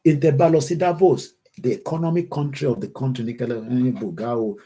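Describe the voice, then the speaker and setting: Hosting a political livestream online, this Yoruba-accented Nigerian man alternates between English and Yoruba while reading out comments from viewers. He speaks a little fast at a medium pitch, with fairly even intonation, a warm tone, and a breathy edge.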